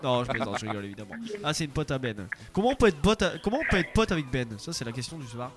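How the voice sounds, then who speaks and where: A man's voice: mid-range voice, very animated, rapid-fire. A man hosting a casual radio call-in show, joking, teasing and rambling between listener messages.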